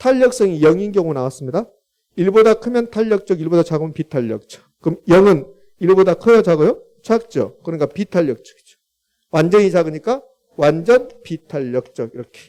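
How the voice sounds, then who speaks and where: Lively intonation marks this man's high voice, which has a dark, mellow tone and moves at a moderate pace. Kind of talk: lecture-like, teacherly.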